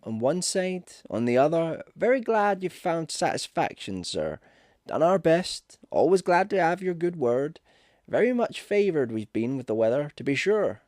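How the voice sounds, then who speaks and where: A man's voice: on the high side, big pitch swings, moderate pace, darkish tone, no echo, clean studio sound, pitched above the performer's own voice. A man voicing a superstitious, deferential country innkeeper in a ghost story, speaking in folksy dialect. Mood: obliging. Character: rustic English innkeeper, superstitious, deferential and reproachful. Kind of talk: ghost story audiobook character.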